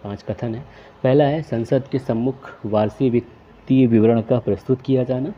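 A man's voice: medium pitch, steady tone, normal speed, warm tone, muffled recording. A man working through exam questions, reading each question and its options aloud before naming the answer. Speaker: quiz tutor.

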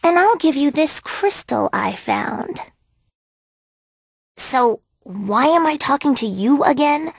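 A woman's voice: sits high, expressive, slow, creaky, no room sound, clean studio sound, exaggerated voice. A woman voicing a sullen, menacing, sarcastic young undead girl in a video game, sneering and threatening. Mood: contemptuous, threatening. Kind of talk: video game character acting.

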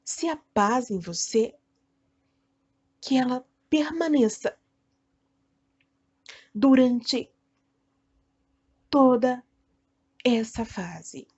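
A Brazilian woman leading a guided meditation in a soothing, deliberate way, speaking in short phrases with long pauses. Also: fairly high pitch, expressive, a little mellow, breathy edge, highs cut off. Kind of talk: guided meditation, self-hypnosis narration.

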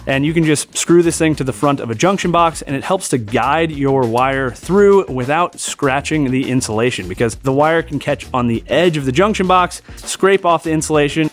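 Upbeat DIY workshop host, casual. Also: male voice, mid-range voice. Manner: casual, upbeat, practical, chuckles at himself. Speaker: woodworking channel host. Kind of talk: DIY how-to narration. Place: large basement workshop, indoors.

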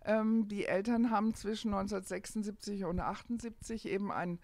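A middle-aged woman telling stories as an interview guest, pausing and hesitating as she explains. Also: medium pitch, fairly even intonation, darkish tone, no echo. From Germany. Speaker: interview guest, family hotel owner. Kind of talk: conversational interview storytelling.

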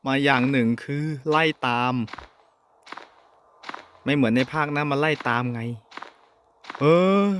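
A man's voice: mid-range voice, steady tone, a little slow, pauses often, a bit bright, a little hiss or hum. A man hosting a horror game playthrough who chats politely to his viewers and yelps and swears when he gets startled. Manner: addresses viewers politely as ท่านผู้ชม. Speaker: gaming host. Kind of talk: horror game let's play commentary.

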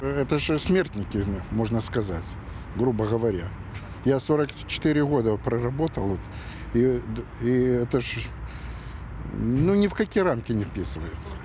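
An older man gives a blunt, disapproving opinion to a reporter outdoors. Street noise is clearly audible around his voice. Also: medium pitch, lively intonation, moderate pace. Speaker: passer-by. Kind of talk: street interview. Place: outdoors on a sidewalk. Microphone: handheld reporter mic.

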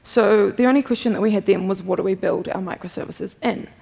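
Young kiwi woman talking tech at a podium, bit of vocal fry, quick and jokey, hall reverb. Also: mid-range voice, a little mellow. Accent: New Zealand. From New Zealand. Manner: quick, chatty, self-deprecating humor. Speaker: conference speaker, software developer. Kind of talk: technical conference talk. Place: large conference hall, at a podium. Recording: long reverb of a big hall.

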